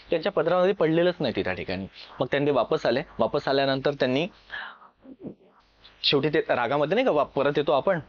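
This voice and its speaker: A man with a Marathi accent from Maharashtra lecturing like a classroom exam coach, explaining step by step and often checking that students follow. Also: fairly high pitch. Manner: explanatory, repeatedly checks understanding with short questions. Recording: dull lo-fi sound.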